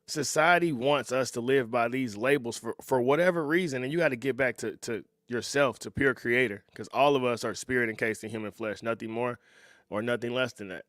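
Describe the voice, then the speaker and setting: A man in his thirties hosting a reaction video, talking in a relaxed, conversational way and often chuckling. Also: medium pitch, a little fast, no room sound, studio quality. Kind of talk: casual reaction commentary.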